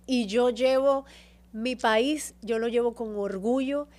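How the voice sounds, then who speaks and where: A woman telling stories as a podcast guest, warm and expressive about her career and her home country. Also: fairly high pitch, slow pace. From Dominican Republic. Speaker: guest, actress and TV presenter. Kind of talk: casual interview chat.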